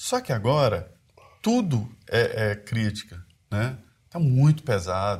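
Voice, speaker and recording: A somewhat breathy man speaks in a very clean recording with a silent background. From Minas Gerais, Brazil (Vale do Jequitinhonha). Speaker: political journalist and commentator. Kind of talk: interview. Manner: halting, with frequent repetitions.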